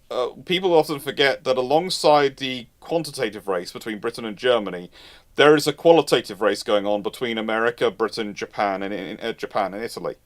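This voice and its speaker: A man hosting a live talk, explaining things off the cuff in an animated, emphatic way, often rephrasing mid-sentence. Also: medium pitch. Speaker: host of naval history live Q&A. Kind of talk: off-the-cuff explanatory commentary, answering listener questions.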